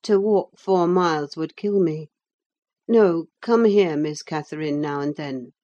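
A woman's voice: deep voice, unhurried, warm tone, dull audio. A woman voicing a frail, languid teenage boy in an audiobook, speaking in a weak, reluctant way. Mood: feeble. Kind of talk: audiobook character voice.

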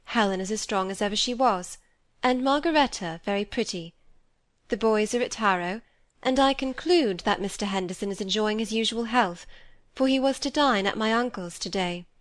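A woman's voice: mid-range voice, normal speed, dry recording, lightly acted. A woman reading as a cool, tactful young woman. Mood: measured.

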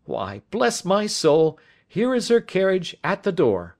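A man's voice: high voice, very animated, slow pace, creaky, a little mellow, voice pushed up, heavily acted. A man reading aloud as a self-assured, condescending police inspector. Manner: condescending, confident.

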